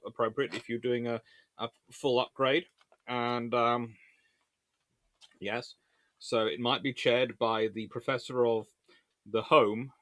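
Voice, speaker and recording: Casting: man, mid-range voice, informal Q&A host who rambles and thinks out loud, recorded dry. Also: mid-range voice, dry recording. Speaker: host answering viewer questions. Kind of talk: casual rambling Q&A commentary.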